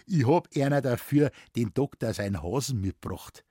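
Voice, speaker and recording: A man voicing a sly, gruff old forest warden who speaks in broad Bavarian dialect, drawling and mischievous. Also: medium pitch, lively intonation, normal speed, mellow, no echo, studio quality.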